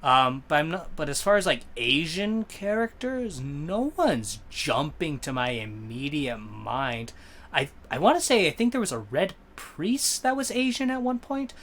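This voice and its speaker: Male podcast co-host, a touch high-pitched, rambling and opinionated, casual. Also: big pitch swings, measured pace, a bit bright, slight background noise. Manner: rambling, self-correcting, opinionated.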